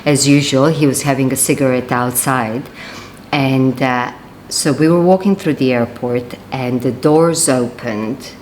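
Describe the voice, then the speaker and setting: A woman's voice: rumbling low, measured pace, a little mellow, a little hiss or hum. A woman in her forties from Serbia, chatting casually in a rambling vlog with lots of fillers and restarts. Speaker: vlogger.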